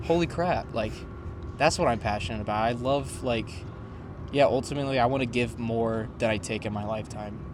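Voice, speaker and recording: With an American accent, a man talks at medium pitch and a fairly quick pace, with audible room echo. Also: ordinary pitch variation. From Texas panhandle, Amarillo. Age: 20s. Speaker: music student. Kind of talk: casual chat. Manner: halting.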